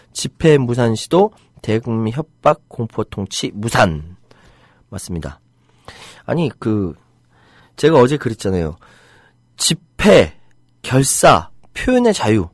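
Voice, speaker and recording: Animated, indignant Korean man broadcasting. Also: mid-range voice, no echo, clean studio sound. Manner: heated, indignant outbursts about rights; chatty, jokey with commenters. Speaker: internet radio host reading listener comments. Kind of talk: live chat with listeners.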